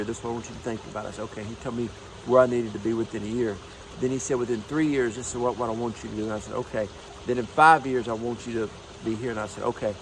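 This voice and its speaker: Energetic man giving a pep talk. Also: mid-range voice, slight background noise, rough recording. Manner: energetic, emphatic, folksy storytelling. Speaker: minister and motivational speaker. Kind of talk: casual motivational talk to camera.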